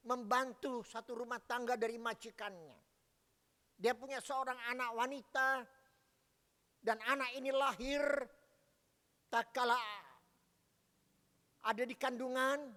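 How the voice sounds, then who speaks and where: A man's voice: very high-pitched, sharp tone. Emphatic male preacher, echoey hall. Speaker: pastor. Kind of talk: sermon. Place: church hall.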